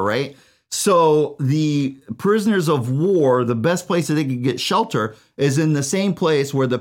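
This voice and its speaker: A man giving a casual, chatty book review, often asking "right?" and reading a passage aloud. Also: mid-range voice. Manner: chatty, tag questions, reads passage aloud.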